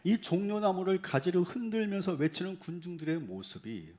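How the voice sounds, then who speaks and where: A man, a pastor, preaching a sermon in a church and firing rhetorical questions at the congregation, sometimes rising to loud, emphatic cries. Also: high-pitched, lively intonation, moderate pace.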